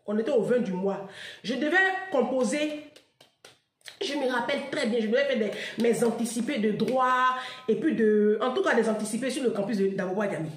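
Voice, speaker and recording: A woman with an Ivorian French accent telling a story in an animated monologue, emphatic and chatty, laughing often and peppering her talk with "là" and "hein". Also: fairly high pitch, a little fast, roomy sound. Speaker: online commentator.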